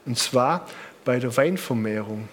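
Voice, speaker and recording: A man's voice: medium pitch, animated, measured pace, a bit bright. A middle-aged man with a southern German accent preaching informally, with conversational anecdotes and emphatic repetition. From Bamberg, Germany. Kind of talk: sermon with personal anecdotes.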